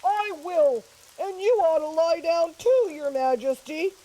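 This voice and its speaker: Woman doing a sick, slow-talking wizard. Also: very high voice, animated, dark tone, low-quality recording. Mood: fretful. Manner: slow, apologetic, earnest. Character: sick, fretful male wizard, weary and polite. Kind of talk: puppet show acting.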